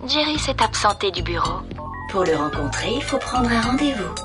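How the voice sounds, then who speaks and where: Woman doing a stern cartoon security computer, female, curt flat refusals, mid-pitched voice. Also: moderate pace, over loud music, lightly acted. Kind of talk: French cartoon dub.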